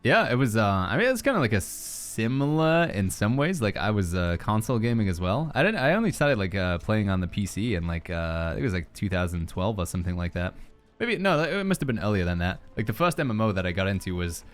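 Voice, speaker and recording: A man's voice: lowish voice, very animated, a little fast, smooth, soft background music. A man hosting a podcast in a casual, joking, rambling chat style. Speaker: podcast host.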